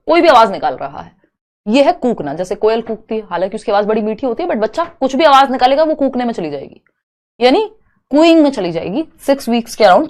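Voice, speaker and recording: A young woman teaching a live online class, explaining step by step and slowly repeating key terms. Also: on the high side. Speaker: online exam-prep teacher.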